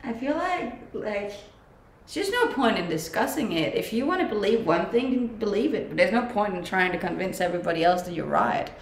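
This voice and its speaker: Her medium-pitched voice moves with lively intonation at a moderate pace as this young Danish woman, accent clearly from Denmark, livestreams from her kitchen at home. She keeps things casual, responding to viewer comments and laughing frequently. Recorded on a webcam at desk distance, the room echoes and carries a faint background hum.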